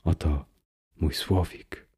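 A warm, joyful young man from a storybook, his voice low and deep, as a male reader puts him on. He talks slowly and gently, dropping to a near hush in his quieter moments. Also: steady tone, breathy edge, exaggerated voice. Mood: warm cheerful.

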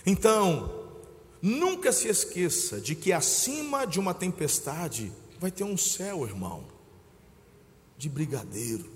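Brazilian male pastor, high voice, storytelling sermon with hushed-to-shouting swings, reverberant church hall. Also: big pitch swings, a little slow. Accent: Brazilian Portuguese.

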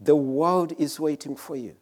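A man preaching a sermon in short, emphatic phrases, pausing after each one for his interpreter. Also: a little high, a little mellow. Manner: emphatic, preaching in brief bursts with pauses. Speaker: guest preacher, former missionary.

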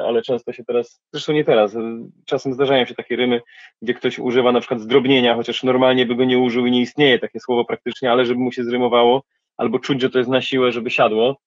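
A man's voice: medium pitch, no room sound, dull audio. A man, a rapper, answering interview questions in a reflective, colloquial way.

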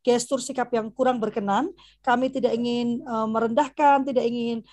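A woman hosting an online parenting session, talking casually and warmly to a group, dropping English phrases and "gitu ya" fillers often. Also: on the high side, steady tone, moderate pace, no echo. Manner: chatty, frequent "gitu ya" fillers, laughs often; mixes English phrases into speech. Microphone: video call.

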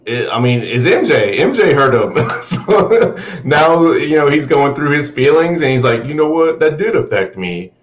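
A man co-hosting a casual sports talk show in a relaxed, laid-back way. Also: on the high side, normal speed, reverberant, muffled recording. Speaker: co-host.

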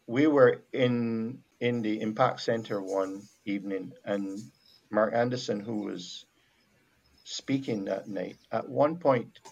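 A man from Barbados with a Bajan accent, speaking as a missionary guest in a casual faith conversation, reflective and halting with many restarts. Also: on the low side, creaky, a little mellow, lo-fi sound.

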